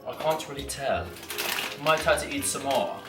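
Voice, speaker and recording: A woman's voice: a bass voice, steady tone, moderate pace. An American woman chatting casually as a taste-test partner in a food vlog, blunt and slangy. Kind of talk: casual chat. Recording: loud music behind voice.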